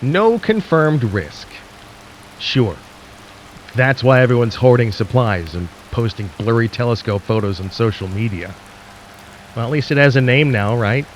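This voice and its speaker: Man acting, radio drama host, medium pitch, skeptical, uneasy, wry, conspiratorial, dramatic pauses, faint hiss. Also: lively intonation, lightly acted, low-quality recording. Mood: sardonic, worried. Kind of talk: radio drama broadcast monologue.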